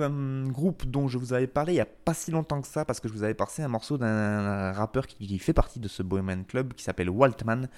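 A man's voice: mid-range voice, a little mellow. A man hosting a music show from his living room, chatting casually with frequent hesitations and wry asides. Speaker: radio show host.

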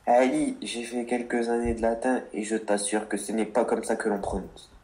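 A man's voice: medium pitch, level tone, moderate pace, warm tone. A man co-hosting a radio show about words, reading earnest explanations and answering teasing with mock exasperation. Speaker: co-host of a word radio show.

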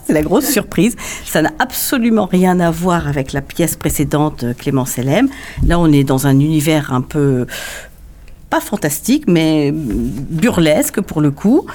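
A woman's voice: low-pitched, a little mellow. A woman from a theatre company, guest on a local radio show, chatting casually with frequent hesitations.

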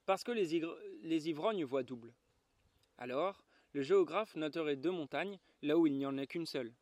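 A man's voice: fairly high pitch, normal speed, darkish tone, dry recording, natural voice. A man reading as a pompous old geographer. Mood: lofty.

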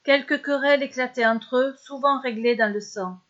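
A woman narrating a serialized story in a steady, measured way. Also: sits high, dull audio.

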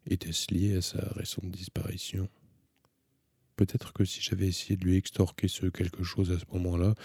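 A man narrating a literary audiobook in a slow, measured, subdued manner. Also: sits low, mellow, breathy edge, dry recording, clean studio sound.

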